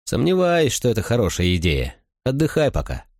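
A man voicing a calm, confident male crew leader in an audiobook, speaking quietly and reassuringly. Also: medium pitch, brisk, no echo, studio quality, voice pushed up. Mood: assured.

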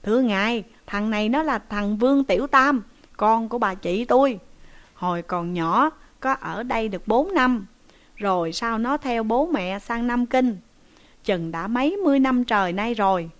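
A woman's voice: a little high, lively intonation, normal speed, lightly acted. A woman doing a stern, shrewd village headman. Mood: explaining. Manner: commanding, scolding.

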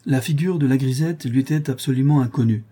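A man narrating a classic novel as an audiobook, in a measured, low-key manner. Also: dark tone, slightly rough. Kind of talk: scripted narration.

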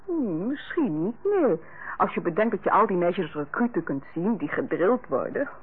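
An actress playing a genteel, kindly and teasing lady of the house, gently patient, in a radio drama. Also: medium pitch, sing-song, moderate pace, breathy edge. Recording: narrow, noisy old radio recording.

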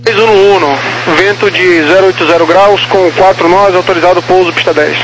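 A man's voice: high-pitched, fairly quick, a bit bright. A man working as a tower controller, giving clipped instructions over an aviation radio. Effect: aviation radio transmission. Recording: noisy aviation radio channel.

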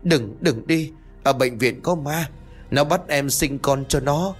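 A man's voice: on the high side, slow pace, husky, faint music behind, pitched above the performer's own voice. A man voicing a terrified young mother who raves in broken, repeating cries. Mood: hysterical.

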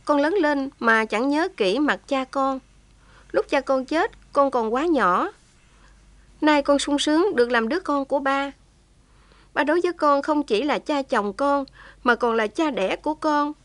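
A woman's voice: high-pitched, unhurried, a bit bright, dry recording, voice pushed up. A woman voicing a young heroine who is daring and tender, pleading with feeling. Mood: tender, tearful. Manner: impassioned, tearful pleading.

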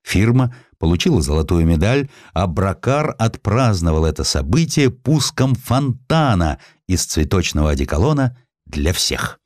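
A man narrating a historical sketch as an audiobook, telling it expressively and slowing down for quoted lines. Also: no echo, clean studio sound. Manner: expressive storytelling, voices quotes with shifts of pitch and slowing down.

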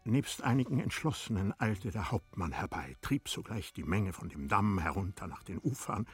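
A man narrating a literary radio play in a measured, expressive storytelling manner. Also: fairly low pitch, slightly rough, faint music behind.

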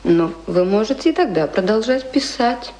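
An actress in a radio play playing a refined, educated young lady who reasons and gently corrects. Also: mid-range voice, expressive, moderate pace, slight background noise, lightly acted. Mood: reasoning, instructive. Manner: genteel, reasoning, mildly reproving.

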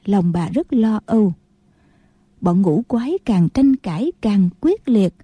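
A woman reads a martial-arts novel aloud in a very dark, mellow voice with a faint husky grain. She keeps a steady storytelling pace, and the sound is dry and close. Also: medium pitch, takes it slowly, dry recording. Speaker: narrator.

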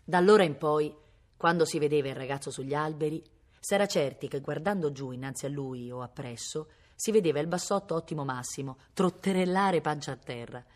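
A woman's voice: deep voice, brisk, darkish tone. A woman reading a novel aloud expressively, now and then mimicking animal sounds. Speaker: reader. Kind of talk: read-aloud novel narration.

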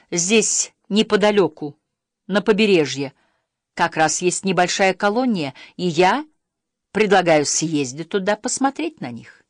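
Woman narrator for an audiobook, fairly low voice with a lively, expressive delivery, dry close-mic studio sound. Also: no echo. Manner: expressive storytelling.

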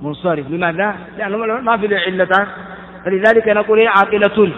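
A man's voice: sits high, fairly even intonation, quick pace, a little hiss or hum. A man giving a grammar lesson, explaining step by step and asking his listeners questions. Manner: chants verse in a sing-song. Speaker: grammar teacher. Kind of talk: classroom lecture on grammar. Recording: dull, hall-like lo-fi recording.

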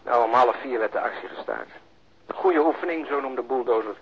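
A man's voice: mid-range voice, moderate pace. An actor playing a nervous, ironic perfectionist policeman in a radio drama, wry and at times hesitant. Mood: sardonic. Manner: wry, hesitant, theatrical emphasis. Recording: muffled radio drama recording, clear background noise.

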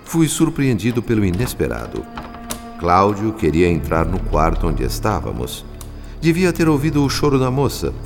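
A very deep, unhurried spirit narrator with a Brazilian Portuguese accent, telling the story in a measured, solemn radio drama delivery. His voice rings with a long reverb, and music plays clearly beneath him. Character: calm discarnate spirit doctor narrating.

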